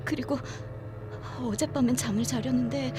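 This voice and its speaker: An actress playing an anxious young woman confiding in a friend, in horror audio drama dialogue with a hesitant, halting delivery. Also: sits high, fairly even intonation, close to an everyday voice. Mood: hesitant, fearful. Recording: background music under the voice.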